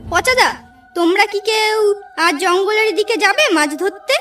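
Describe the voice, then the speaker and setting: A woman's voice: very high-pitched, normal speed, sharp tone, far from the mic, faint music behind. A woman voicing a worried village wife in a cartoon, asking after her husband. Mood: anxious.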